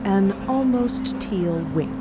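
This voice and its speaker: A woman's voice: medium pitch, slow, over loud music. A woman narrating a scripted audio drama in a dramatic storytelling style.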